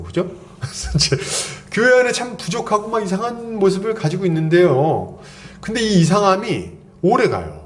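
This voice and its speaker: Male pastor, fairly high voice with wide, lively pitch swings, casual preaching. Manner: conversational preaching, acts out quoted lines, chuckles often. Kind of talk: sermon.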